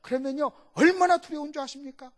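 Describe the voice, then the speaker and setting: A middle-aged man preaching as a guest pastor, swinging from shouted lines to hushed asides and acting out voices as he questions the congregation. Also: very high-pitched, quick pace. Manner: acts out quoted voices, asks the congregation questions. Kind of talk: sermon.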